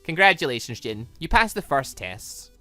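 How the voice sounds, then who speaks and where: Visual novel villainess read by a game host: taunting, secretive, cool menace, bright edge, music underneath. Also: medium pitch, very animated, normal speed, no echo. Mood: smug.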